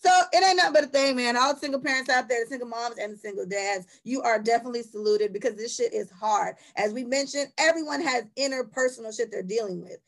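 A woman's voice: on the high side, fast talker, hardly any pauses. A woman in her thirties, raised in Jamaica, talking candidly and emphatically with frequent profanity as a podcast co-host. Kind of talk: casual podcast chat.

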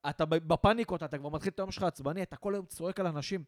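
A man's voice: on the high side, no room sound, clean studio sound. A young man co-hosting a podcast, ranting in casual chat and acting out what people say. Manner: animated ranting, acts out quotes. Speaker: podcast co-host.

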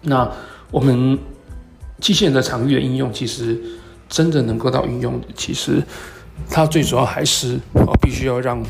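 A man speaks Mandarin with a Taiwanese accent in a mid-range voice full of heavy vocal fry. He explains his subject like a solo podcast host, in halting phrases broken by hesitant pauses. Soft music sits faintly behind him. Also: medium pitch, fairly even intonation. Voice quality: gravelly, creaky. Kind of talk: solo talk explaining tech and market topics.

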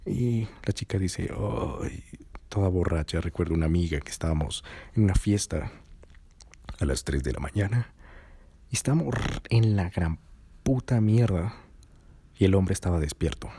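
A man casually telling an anecdote, swearing freely and lively in his retelling. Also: sits low, normal speed, pauses often, breathy edge, no echo. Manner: profane, animated retelling. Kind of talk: casual storytelling.

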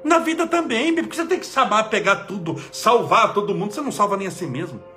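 A man, an energetic spiritual leader giving an emphatic inspirational talk and leading prayer. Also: sits high, fast, faint music behind.

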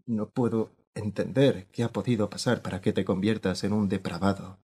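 A man's voice: on the low side, fairly even intonation, moderate pace, dark tone, breathy edge. A young man playing an anguished former pupil in a radio drama. He speaks in a pained, pleading way.

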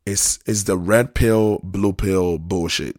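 A man with a very low voice hosts his podcast while a little hoarse from losing his voice. He talks in an easygoing, rambling way, circling back and restarting his phrases. The sound is dry and close, with no room echo. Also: steady tone, a little mellow. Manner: unhurried and conversational, repeats and restarts phrases. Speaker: podcast host. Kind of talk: casual solo podcast talk.

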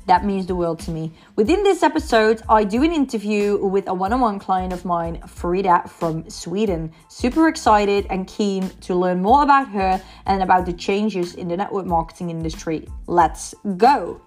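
A woman's voice: medium pitch, normal speed, hardly any pauses, a little mellow, faint music behind. A woman hosting a podcast interview in an enthusiastic, gushing manner. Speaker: podcast host and coach.

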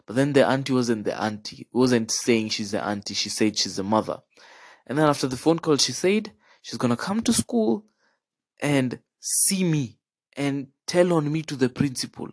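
A young man with a Kenyan accent tells stories in a casual, animated, chatty monologue, checking in with the listener and dropping in Swahili slang. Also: medium pitch, moderate pace, dry recording. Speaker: podcast host.

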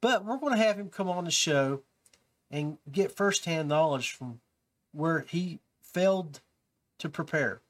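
A man hosts a podcast in a relaxed, rambling way, with fillers and restarts. His voice sits a little high for a man. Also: measured pace. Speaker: podcast host. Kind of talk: casual podcast talk.

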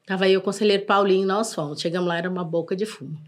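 A middle-aged woman with a Brazilian Portuguese accent, telling stories from her social work in a relaxed podcast conversation. She talks in an earnest, animated way, at an ordinary middle pitch. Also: rapid-fire. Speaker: social services secretary, podcast guest. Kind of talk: casual podcast storytelling.

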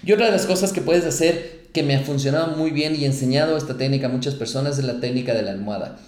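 A man hosting a motivational podcast, coaching listeners in an animated, upbeat way with frequent rhetorical questions, his throat sore. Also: medium pitch, fast talker. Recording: echoey room.

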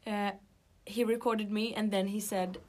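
A young woman from Iraq, a guest on an interview show, telling her story in a casual, animated way with frequent laughs and filler sounds. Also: mid-range voice, unhurried. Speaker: guest, TV presenter.

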